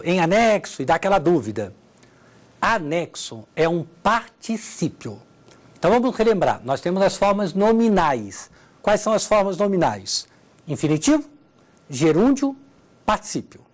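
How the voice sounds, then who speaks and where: Lively woman teaching grammar on TV. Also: fairly low pitch. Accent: Brazilian Portuguese. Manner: explains with examples, checks in with "tá?". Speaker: Portuguese language teacher. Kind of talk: televised grammar lesson.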